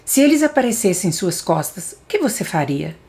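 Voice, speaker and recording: A woman's voice: medium pitch, big pitch swings, a little fast, a little mellow. A Brazilian woman reading a Christian book aloud in the manner of an audiobook. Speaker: audiobook reader.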